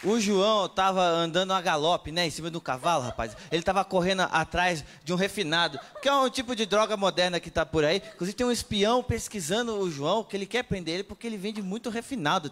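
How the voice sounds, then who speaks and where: A man's voice: high voice, a bit bright. A young man with a Brazilian accent improvising a comic story in slangy, colloquial talk. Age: young adult. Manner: slangy, tagging sentences with checks. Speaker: stand-up comedy contestant. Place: TV studio stage with live audience. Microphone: handheld. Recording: noisy studio with audience.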